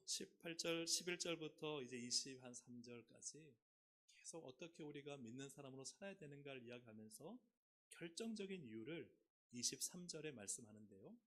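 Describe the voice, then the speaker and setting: A man preaching from the pulpit of a church, his voice at an ordinary middle pitch. He asks the congregation questions and leads them in reading scripture aloud, swinging between loud emphatic peaks and soft asides. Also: lively intonation, a little fast. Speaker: pastor. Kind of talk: sermon. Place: church sanctuary.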